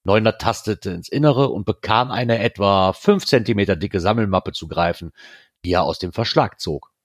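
Low-voiced man reading a novel. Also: normal speed, dry recording, clean studio sound. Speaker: reader.

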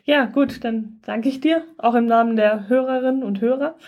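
A woman's voice: fairly high pitch, normal speed. A woman hosting a podcast, talking casually and encouragingly with her mother. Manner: relaxed, encouraging, laughs often. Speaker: podcast host. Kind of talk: casual interview.

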